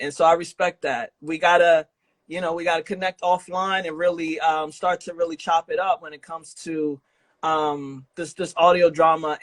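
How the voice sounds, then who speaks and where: Casual man with a slightly high voice. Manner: slangy, freely swearing, affirming. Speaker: podcast host and festival organizer. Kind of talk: casual interview chat.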